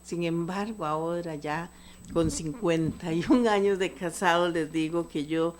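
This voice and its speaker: A woman's voice: on the low side, fairly even intonation, measured pace, darkish tone, a little hiss or hum. Older woman preaching fervently. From Costa Rica. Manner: earnest, fervent, asks the listeners rhetorical questions. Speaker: lay preacher. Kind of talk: sermon.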